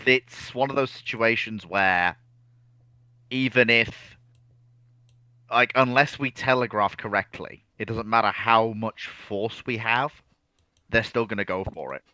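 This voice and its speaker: A man's voice: lowish voice, fairly even intonation, a little slow, sharp tone, no room sound. A man in a casual discussion, giving opinions emphatically and often restarting the openings of his sentences.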